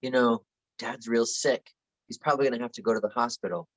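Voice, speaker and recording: A man acts out a sullen teenage boy in a script read. The voice sits at a middle pitch. He is dismissive and curt, with a dry sardonic edge. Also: steady tone, fairly quick, close to an everyday voice, low-quality recording. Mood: low-key, matter-of-fact. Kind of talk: virtual table read of a film script.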